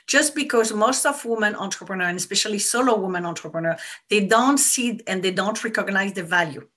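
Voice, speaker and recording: A French business coach with a mid-range, fairly bright voice speaks briskly in casual interview answers, her French accent audible. She explains her work earnestly and drives points home by repeating them.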